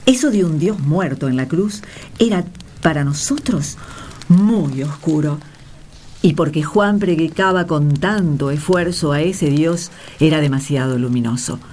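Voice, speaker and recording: A woman's voice: low voice, a little slow, a little mellow, a little hiss or hum. A woman with an Argentine accent playing an emotional narrator remembering a journey of faith in a radio play. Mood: reflective. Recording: music under the voice.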